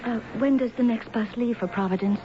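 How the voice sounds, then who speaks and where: An actress playing a dazed, frightened wife in an old-time radio drama, hesitant and stammering. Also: female voice, a little high, brisk, lightly acted. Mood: nervous. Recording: dull, noisy old radio broadcast.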